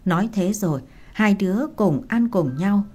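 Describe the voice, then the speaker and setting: A woman narrating a first-person audio story in a calm, even storytelling manner. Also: mid-range voice, moderate pace, husky.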